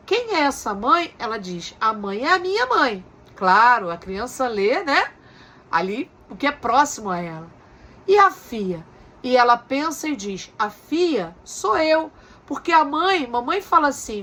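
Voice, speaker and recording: A woman's voice: sits high, a bit bright. A woman giving a recorded lecture as a teacher, explaining step by step with frequent tag questions and rhetorical questions.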